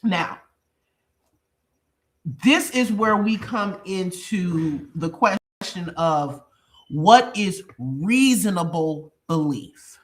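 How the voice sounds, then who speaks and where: A congested reaction channel host, sniffling as he goes, offers emphatic commentary on a true crime case, repeating points and explaining things to viewers. The voice sits at medium pitch and is animated but extremely slow.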